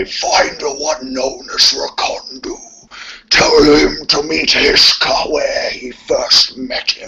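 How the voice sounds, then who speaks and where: Very slowly, a man growls in a put-on character voice. His tone is menacing. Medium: actual play.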